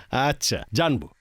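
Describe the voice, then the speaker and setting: A man's voice: medium pitch, creaky, husky, no echo, full character voice. An actor playing a teasing, mildly strict but indulgent middle-aged father in a film family drama, musing with hums. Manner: chuckling, drawn-out musing with hums and English phrases. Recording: film dialogue under loud music.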